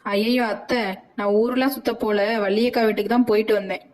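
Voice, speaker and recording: Woman acting young cartoon mother, meek daughter-in-law, apologetic, level steady voice. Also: on the high side, fast talker, close to an everyday voice, rough recording. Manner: polite, apologetic, pleading.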